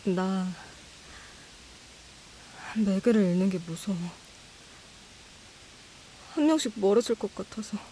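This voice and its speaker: A woman's voice: medium pitch, expressive, slow, pauses often, mellow, slight background noise, rough recording. A woman acting an anxious, wistful young woman afraid of loss in an audio drama. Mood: hurt, fearful.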